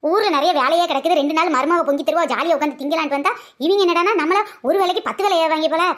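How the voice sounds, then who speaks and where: Someone voicing a sly old cartoon granny, very high and quick. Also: a bit bright. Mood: scheming. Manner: nagging, scolding, sly. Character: bossy scheming old grandmother, mother-in-law. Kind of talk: cartoon voice acting.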